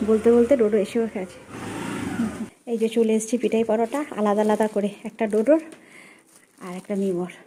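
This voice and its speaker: A woman's voice: mid-range voice, noisy background. A woman, a mother and family vlogger, chatting casually as she narrates meals and chores around her home. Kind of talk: casual home vlog chat.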